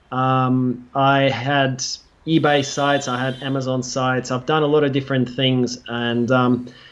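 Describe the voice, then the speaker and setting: In an Australian accent, a man speaks at a medium pitch. His intonation is flat and monotone. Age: 30s. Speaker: blogger and online course creator. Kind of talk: interview.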